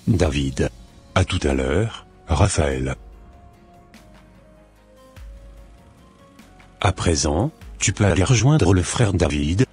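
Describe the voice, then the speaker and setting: A devout Christian man in a cartoon , played by a male actor, speaks with a deep, rough-edged voice. The delivery is scripted, solemn and earnest, with soft music underneath. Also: full character voice. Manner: formal, solemn prayer delivery.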